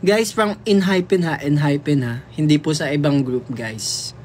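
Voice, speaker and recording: A man's voice: a little high, normal speed, darkish tone, a little hiss or hum. A young man from the Philippines hosting a casual livestream, playfully chatting and reading and answering viewer comments aloud, switching freely between languages. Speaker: livestream host.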